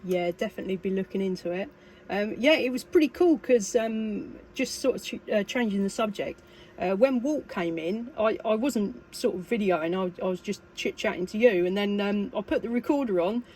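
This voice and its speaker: Rambling and a little hesitant, a UK radio hobbyist chats casually in a medium-pitched, slightly mellow voice at a moderate pace. Radio hiss and background noise make this amateur recording clearly noisy.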